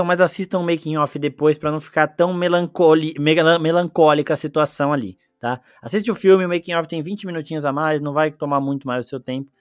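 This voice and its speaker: A young Brazilian man reviews a film on a podcast, animated and full of slang. He talks fast in a somewhat high voice. The recording is dry and close. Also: no echo. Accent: Brazilian Portuguese. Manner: animated, slangy, exclaims often. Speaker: podcast host. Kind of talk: casual film review chat.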